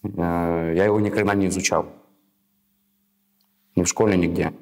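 Male interviewer, 30s, Ukrainian native speaker, very low pitch, probing questions with pauses, small office. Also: fairly even intonation, darkish tone.

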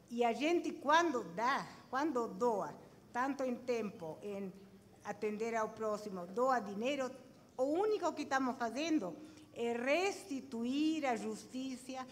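A woman in her sixties from Chile with a Chilean Spanish accent, speaking deliberately in short phrases as a guest on a panel. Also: a little high. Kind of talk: personal account in an onstage interview. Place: stage in a conference hall with seated audience. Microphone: handheld microphone. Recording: reverberant hall, background room noise.

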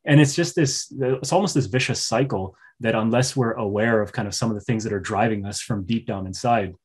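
A man's voice: fairly low pitch, brisk, breathy edge. A man in his thirties from Pakistan, earnestly explaining his thoughts as a conversational interview host. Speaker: host, coach. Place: indoor room at home, on a video call. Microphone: video call.

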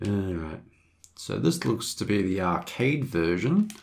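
Hungover man with a lively, swinging pitch. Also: a little slow, creaky. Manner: hungover, loose and rambling; joking, self-mocking. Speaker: video host, game reviewer. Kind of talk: casual gameplay commentary.

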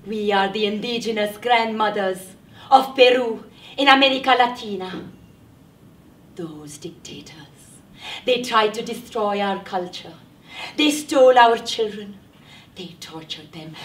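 A hoarse woman voicing a chorus of defiant elderly indigenous grandmothers, declaiming between loud cries and hushed whispers. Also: medium pitch, unhurried, pitched above the performer's own voice, lightly acted. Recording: roomy hall from a distant mic.

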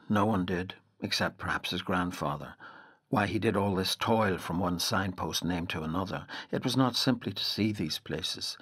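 A man with a Northern Irish accent playing a reflective storyteller, narrating a literary audio drama in a measured, deliberate way. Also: on the low side, fairly bright tone, slightly rough. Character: reflective male storyteller recalling a boy's rural Irish childhood.

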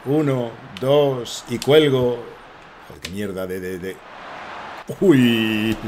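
Spain Spanish male streamer, mid-pitched, cracking jokes over live gameplay. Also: slow pace, a little hiss or hum. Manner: joking, excitable, swearing banter. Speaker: gaming streamer.

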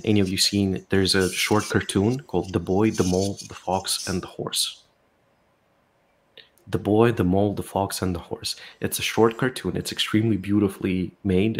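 Guy with a low gravelly voice, casual call chat, kinda hesitant, repeats himself. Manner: hesitant, repeats words while thinking. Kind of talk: casual discussion. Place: indoors, on a video call.

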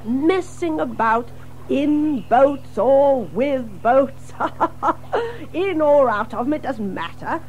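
A chatty water rat from a children's audio drama. The voice is high and swoops with animation. The manner is hearty and exclamatory, full of little hesitations, over faint background noise. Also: female voice, lively intonation, very slow, a little mellow, exaggerated voice, rough recording. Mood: enthusiastic. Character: chatty, friendly water rat, keen boater of the riverbank.

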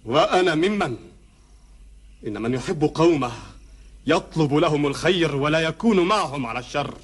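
An actor playing a steadfast, principled middle-aged tribal chieftain in a historical epic drama, admonishing firmly in declamatory formal Arabic. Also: male voice, on the high side, animated, moderate pace, slightly rough. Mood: indignant.

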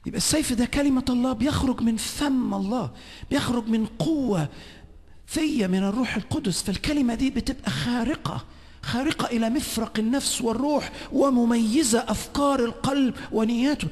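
A man with an Egyptian Arabic accent preaching a sermon at a conference, swinging between shouting and hushed whispers. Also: very high voice, brisk, in a large hall. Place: large conference hall.

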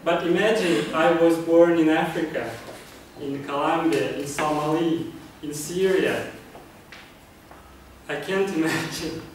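A man's voice: fairly high pitch, slow pace, a little hiss or hum. Man, earnest public speech, restarts phrases, distant camera, roomy echo. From Kazakhstan. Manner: earnest, repeats and restarts phrases, many uh fillers. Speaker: club speaker. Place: meeting room, indoors. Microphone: far camera. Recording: echoey room from far off.

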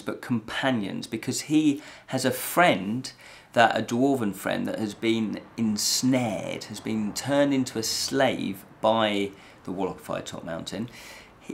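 Gravelly-edged man presenting a review. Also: mid-range voice. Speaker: host of a fantasy review show. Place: small indoor room with fabric backdrop.

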